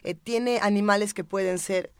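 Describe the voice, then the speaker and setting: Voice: mid-range voice, steady tone, moderate pace, smooth. A host asking long, thoughtful questions full of everyday examples in a casual interview.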